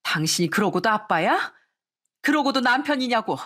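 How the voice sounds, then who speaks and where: A woman's voice: on the high side, sing-song, normal speed, pitched above the performer's own voice. A woman voicing an enraged middle-aged mother who scolds her husband in a radio story. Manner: scolding, shouting.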